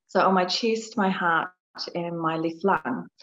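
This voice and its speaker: A woman at medium pitch, speaking at a fairly slow pace. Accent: New Zealand. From New Zealand. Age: 40s. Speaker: cancer survivor. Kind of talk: interview testimony.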